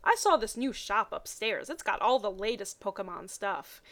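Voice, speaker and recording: A woman's voice: mid-range voice, expressive, normal speed, fairly bright tone. A woman voicing an eager, joking teenage boy in a storybook reading, exclaiming and slangy. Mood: upbeat.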